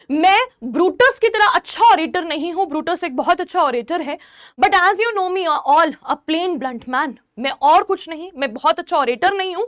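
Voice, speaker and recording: Woman teacher, very high voice, dry close sound, line-by-line explaining, repeats herself to check understanding. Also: fairly bright tone, no echo. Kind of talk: exam-prep literature lesson.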